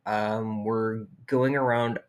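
A woman co-hosting a casual home podcast, reading out statistics haltingly with many fillers and swearing casually, her voice a bit worn. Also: rumbling low, steady tone. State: losing her voice. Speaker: podcast co-host. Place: home, cats moving around.

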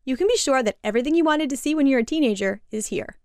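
A woman announcer reads a playful script at a quick pace. Her voice is high and very lively, swooping through each phrase in a close, dry recording. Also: clean tone, dry recording. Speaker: announcer of content rating.

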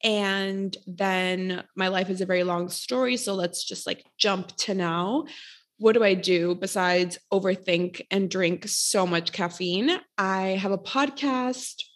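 A young woman in her late twenties, originally from Costa Rica, talks as a guest on a casual podcast. She rambles, laughs often and teases herself, at an ordinary middle pitch. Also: slow. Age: 20s. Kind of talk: casual chat.

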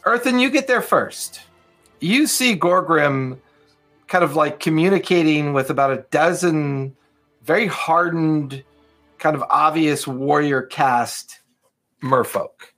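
A man's voice: fairly high pitch, slow pace, fairly bright tone, soft background music. Man narrating as game master. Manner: loose, filler-heavy narration.

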